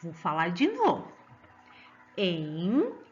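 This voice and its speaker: A woman's voice: high voice, sing-song, a little slow, pushed and bright, highs cut off. A woman with a Brazilian Portuguese accent teaching a children's lesson, sing-song and coaxing, drawing out stressed syllables.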